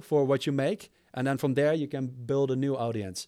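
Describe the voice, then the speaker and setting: A man with a Dutch accent talks at a moderate pace, his fairly high pitch varying in an ordinary way. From Netherlands. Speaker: YouTuber and author. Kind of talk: casual interview chat. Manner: laughs often, relaxed, sometimes searching for words.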